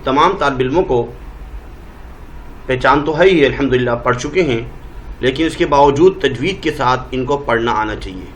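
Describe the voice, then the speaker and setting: A male teacher with a Pakistani Urdu accent, giving a Quran reading lesson and drawing out each letter name slowly to show how it is said. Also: medium pitch, fairly bright tone, poor audio. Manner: draws out letter names slowly, modelling pronunciation.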